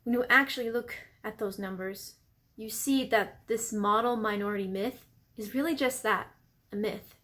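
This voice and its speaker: Higher-pitched woman making a scripted argument. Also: moderate pace, fairly bright tone. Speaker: reader's theater performer. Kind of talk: scripted explanatory monologue, reader's theater.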